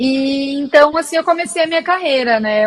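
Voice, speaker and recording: Here a woman speaks at a moderate pace with ordinary pitch variation. Background noise is noticeable. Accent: Porto Alegre. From southern Brazil, Porto Alegre. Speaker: lawyer. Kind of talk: interview.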